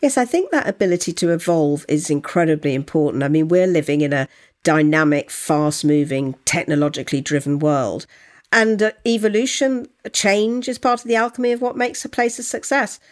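A woman's voice: on the low side, a little fast. A woman hosting an interview podcast, introducing her guest and asking questions in an articulate, scripted way. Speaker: podcast host.

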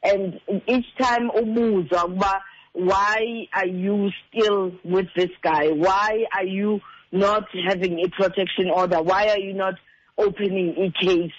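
A man's voice: high voice, steady tone, measured pace, muffled recording. A man with a South African Xhosa accent giving earnest, direct advice as a relationship counsellor, stressing points by repetition. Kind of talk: earnest advice, mixing in two languages.

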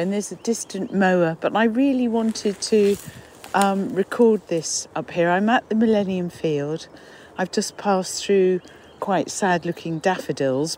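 A woman's voice: on the low side, darkish tone. Rambling woman recording outdoors in rain. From Portsmouth, England. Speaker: nature walk presenter. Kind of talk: rambling walk narration. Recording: faint rain and outdoor noise.

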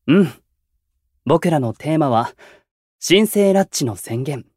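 An actor playing a calm, gentle young male idol who keeps the peace in a Japanese voice drama, speaking politely and with composure. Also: on the high side, takes it slowly, husky, no echo, clean studio sound, heavily acted. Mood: composed, reasoning. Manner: soft-spoken, composed, polite and reflective. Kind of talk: Japanese anime-style voice drama acting.

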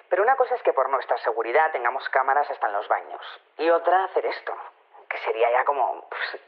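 An actor playing a chatty, self-assured male community official, rambling colloquially through a radio interview over a telephone line. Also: mid-range voice. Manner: rambling, colloquial, hedging with tag questions. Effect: telephone filter. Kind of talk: improvised-sounding radio phone-in interview. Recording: narrow, tinny phone line.

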